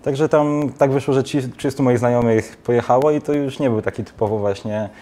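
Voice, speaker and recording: A man's voice: medium pitch, steady tone, a little fast, warm tone. A young man in his twenties, a guest in a TV studio, talking casually with many restarts and fillers. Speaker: guest, student trip organizer.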